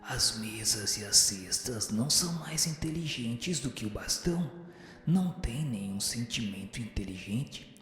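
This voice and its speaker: An actor playing a wise, solemn male spirit who teaches in a formal, measured radio drama manner. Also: medium pitch, animated, a bit bright. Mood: firm, didactic. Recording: reverberant echoing hall, music underneath. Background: music.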